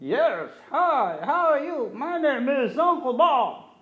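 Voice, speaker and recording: A cheerful, friendly puppet uncle with a very high, lively voice, speaking slowly in plain simple phrases, played by a man. He sounds roomy and muffled, like lo-fi audio in an echoing room. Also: full character voice. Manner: slow, friendly, simple English.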